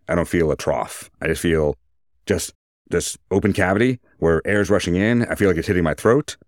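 A man's voice: very deep voice, no echo, studio quality. A man speaking as a surgeon, giving an informal, detailed medical explanation in a conversational way.

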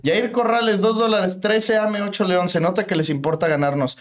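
A man's voice: high-pitched, fairly even intonation, fairly quick. A young man with a Mexican accent, co-hosting a casual podcast, slangy and swearing freely. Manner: slangy, swears freely, reads listener donations. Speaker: podcast co-host. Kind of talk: casual chat.

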